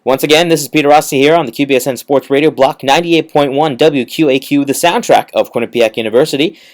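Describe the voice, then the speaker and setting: A man's voice: medium pitch, quick pace. A young man hosting a college radio sports show, delivering a recap in an announcer style straight to listeners. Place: radio studio, alone.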